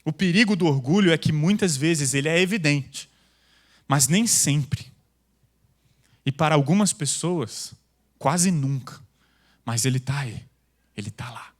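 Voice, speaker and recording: A male pastor preaching a sermon, intense and loud, with casual slang. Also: mid-range voice, a little slow, pauses often. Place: church.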